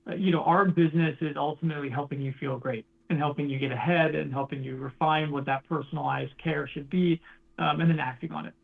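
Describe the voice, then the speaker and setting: A man with a fairly high voice and a creaky edge answers questions as a company executive on an earnings call. He restarts phrases and leans on business jargon. The audio is very dull and narrow. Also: fairly even intonation, fast talker.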